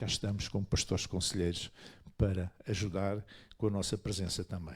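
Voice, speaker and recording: A man's fairly low voice with an European Portuguese accent and fairly even intonation, on a very clean recording with a silent background. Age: 70s. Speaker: pastor. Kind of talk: farewell speech to congregation. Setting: church.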